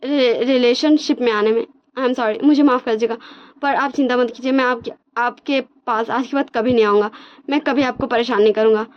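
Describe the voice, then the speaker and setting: A woman voicing a hurt young male student who apologizes in soft, halting speech. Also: a little high, steady tone, lightly acted. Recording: dull lo-fi recording.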